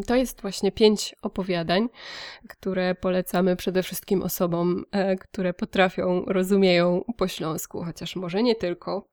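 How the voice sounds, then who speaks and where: A woman's voice: on the low side, a little mellow, no room sound, clean studio sound. A woman co-hosting a book podcast, reviewing books conversationally in a reflective, hesitant way with repeated words.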